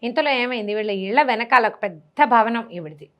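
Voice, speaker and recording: A woman's voice: a little high, animated, fairly quick, a bit bright. A woman tells a classical tale off the cuff as a storyteller, explaining conversationally and repeating phrases as she goes.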